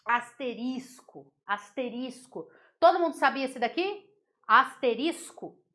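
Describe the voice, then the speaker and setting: A woman teaching a Portuguese grammar lesson, playful and laughing at common mispronunciations, repeating words slowly to drill them. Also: high voice, animated, pushed and bright.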